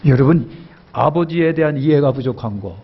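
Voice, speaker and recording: A man's voice: medium pitch, expressive, normal speed, breathy edge, muffled recording. A male pastor preaching a sermon emphatically, repeating key phrases and asking the congregation questions.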